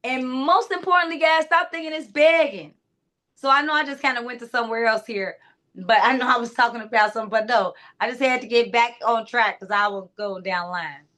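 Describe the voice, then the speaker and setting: This clarity coach moves briskly through a casual motivational talk aimed straight at her listeners. Her voice is loud and naturally high, and her emphatic delivery keeps wandering into asides.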